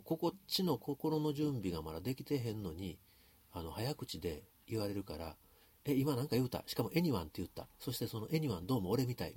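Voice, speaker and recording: A man with a Kansai Japanese accent talks through song lyrics in a relaxed, musing way, as if working out his thoughts aloud. His voice is slightly husky, and his pitch rises and falls a great deal as he explains. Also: dry recording. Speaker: music commentator. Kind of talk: casual talk analyzing song lyrics.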